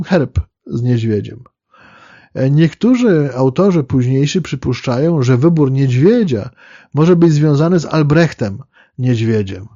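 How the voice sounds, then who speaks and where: A man with a fairly high yet dark, mellow voice delivers a measured history lecture, often pausing on fillers and restarting phrases. The recording is dry and a little muffled, with no room sound. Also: no room sound. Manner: measured, explanatory, with fillers and self-corrections.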